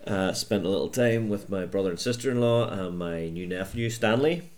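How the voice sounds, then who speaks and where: A man's voice: sits low, normal speed, darkish tone. A Northern Irish man in casual podcast chat, talking hesitantly with many ums and uhs. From Northern Ireland. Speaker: podcast co-host.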